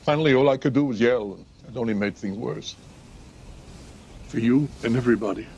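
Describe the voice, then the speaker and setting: An actor playing an older, stern widowed father who bursts into shouting, with a husky voice. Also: mid-range voice, animated, a little fast, slight background noise, close to an everyday voice. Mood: remorseful. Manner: shouting in outbursts, then quiet regret. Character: stern widowed father, bitter and quick to yell.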